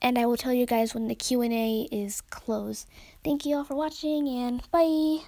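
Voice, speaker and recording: With a high pitch, a dark, mellow tone and ordinary pitch variation, a woman speaks at a moderate pace in a very clean recording with a silent background. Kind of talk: casual talk to camera. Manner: stuttering, hesitant.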